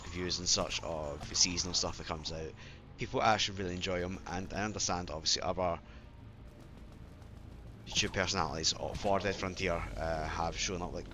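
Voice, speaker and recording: Low-voiced man with a sore throat. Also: noisy background. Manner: rambling, self-correcting, apologetic. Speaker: gaming channel host. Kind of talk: casual gameplay commentary. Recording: game music playing behind.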